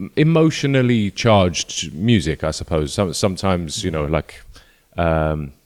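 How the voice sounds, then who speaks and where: A man with a London accent speaks at a moderate pace in a very deep, low pitch with lively intonation. The recording is very clean, with a silent background. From London, Camden. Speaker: rapper. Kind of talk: interview. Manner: halting.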